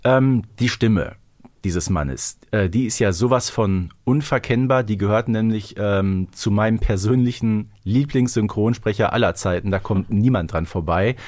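A man's voice: fairly low pitch, normal speed, a little mellow. A man hosting a podcast, discussing things with a fan's enthusiasm in an effusive, emphatic way. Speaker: podcast host.

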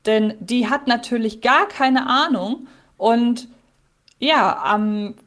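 A woman's voice: on the high side, slow, fairly bright tone. Chatty woman podcast co-host. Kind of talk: casual chat about an audio drama episode.

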